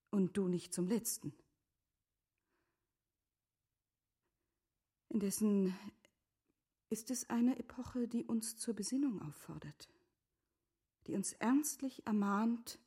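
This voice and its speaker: Breathy, earnest middle-aged wife. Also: female voice, mid-range voice. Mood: measured, earnest. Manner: measured, articulate, formal, often dropping to a hushed, breathy tone. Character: composed, earnest middle-aged wife pleading with straying husband. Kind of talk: German literary radio drama acting.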